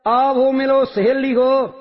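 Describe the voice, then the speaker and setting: A man reciting religious hymns in a measured, sing-song chant. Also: very high voice, flat delivery. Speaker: scripture reciter. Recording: long reverb, dull lo-fi sound, faint music.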